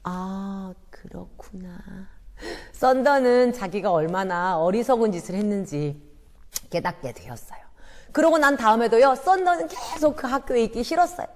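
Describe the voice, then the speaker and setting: Animated woman telling kids a story. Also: a little high, brisk, in a large hall. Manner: animated, sing-song addressing kids. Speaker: children's ministry storyteller. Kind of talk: children's Bible storytelling.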